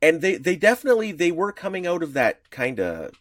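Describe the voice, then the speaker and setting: A man's voice: fairly high pitch, very animated, brisk, no echo. A man co-hosting a podcast, explaining at length in a casual, rambling way with lots of fillers. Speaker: podcast co-host.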